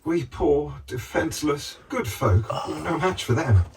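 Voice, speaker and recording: A man's voice: on the high side, animated, unhurried, gravelly, a little mellow, far from the mic, a little hiss or hum. A man voicing a defenseless, pleading townsman for a video game, earnest and dramatic with a strained delivery. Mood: worried, pleading.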